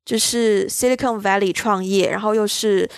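A woman's voice: mid-range voice, steady tone, normal speed, vocal fry, smooth, dry recording. A woman chats reflectively as a podcast co-host. The sound is close and dry, and her talk is casual and conversational.

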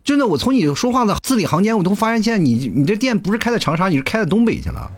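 A man's voice: sits high, very fast, breathy edge. A man with an Inner Mongolian accent hosting a livestream talk show, teasing his guest over a video call. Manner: teasing, animated, joking.

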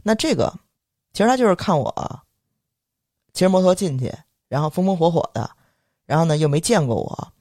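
Young man with a Beijing accent, podcast storyteller, rapid-fire, high-ish voice, dry close sound, indignant and animated. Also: no echo. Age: young adult. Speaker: podcast co-host. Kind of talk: storytelling casual chat.

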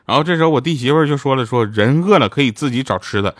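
A man's voice: medium pitch, lively intonation, very fast, fairly bright tone, dry recording, studio quality. A man who voices radio dramas, telling funny stories in a casual, chatty monologue and laughing at his own punchlines. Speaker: radio drama voice actor promoting his show.

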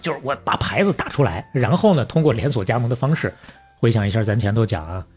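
A man with a Beijing accent hosting a podcast, telling stories in a lively, colloquial, folksy conversational way. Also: medium pitch, fast, husky, faint music behind. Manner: colloquial and folksy, with proverbs and acted-out asides. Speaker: podcast host.

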